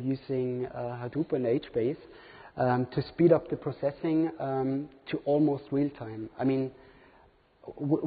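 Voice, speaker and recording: Man presenting, non-native speaker, hesitant with fillers, long hall reverb, tinny phone-like sound. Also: medium pitch. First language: not English. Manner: hesitant, many fillers and restarts. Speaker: conference presenter. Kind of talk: live product demo talk. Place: large conference hall. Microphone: room recording from far camera.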